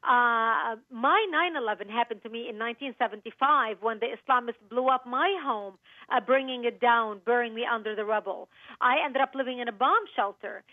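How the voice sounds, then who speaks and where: Woman, from Lebanon, high-pitched, earnest and emphatic, tinny phone audio, dry. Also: no room sound. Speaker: guest. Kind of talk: radio interview. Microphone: telephone.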